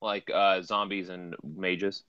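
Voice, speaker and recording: A man's voice: low voice, flat delivery, slow, a crowd in the background. A man with a Boston accent co-hosting a casual gaming podcast, laid-back and brief, calling in from his phone. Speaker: podcast co-host. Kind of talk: casual chat. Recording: dull phone audio.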